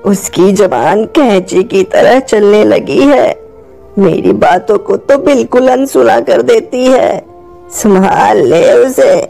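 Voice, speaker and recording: A man voicing a creaky old scolding mother-in-law. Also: high voice, animated, dark tone, soft background music, exaggerated voice. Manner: scolding, slow fussing. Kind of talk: Hindi cartoon moral story voice acting.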